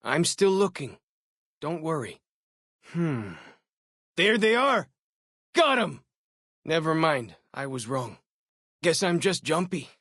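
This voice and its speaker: A man's voice: fairly high pitch, very animated, slow, long pauses, fairly bright tone, no echo, clean studio sound, heavily acted. A man voicing an eager young tribal scout in a video game, a loyal, slightly jumpy companion with a casual, wry and earnest way of talking. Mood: casual, unsure, then alarmed, urgent. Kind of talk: video game character voice acting.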